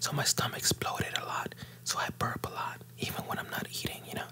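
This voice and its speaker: Whispering at a moderate pace. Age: 20s. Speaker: ASMR creator. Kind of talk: casual talk to camera. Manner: whispered. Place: home room. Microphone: studio mic.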